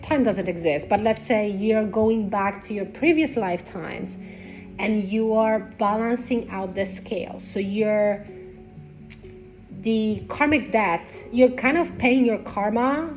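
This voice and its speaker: Woman with a stuffy nose talking slow and rambly to her followers, spiritual vlog, music behind her. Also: medium pitch. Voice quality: congested, nasal. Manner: halting, rambling, repeats phrases. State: congested with a cold. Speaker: spiritual content creator. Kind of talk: unscripted spiritual talk to followers.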